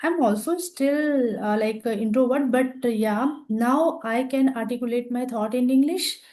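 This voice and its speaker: A woman in her thirties from northern India with an Indian accent, talking slowly and carefully in a casual English practice conversation over a video call, pausing often with fillers. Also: fairly high pitch, darkish tone. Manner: hesitant, careful phrasing with many fillers. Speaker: English learner.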